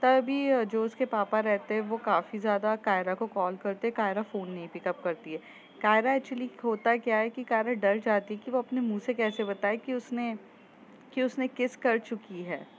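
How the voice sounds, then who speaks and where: A woman's voice: on the high side, moderate pace. A woman telling a love story in a casual, chatty, rambling way with many fillers. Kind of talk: casual spoken story narration. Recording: muffled lo-fi with faint noise.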